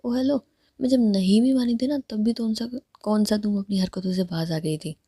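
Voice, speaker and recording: A bossy older-sister figure lays down the law, as a woman voices her in a spoken story. The voice is husky and warm. The sound is dry. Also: medium pitch, moderate pace, no echo, natural voice.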